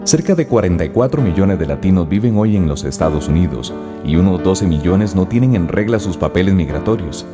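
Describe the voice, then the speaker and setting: A man's voice: low-pitched, lively intonation, brisk, over music. A man giving solemn, rhetorical scripted narration.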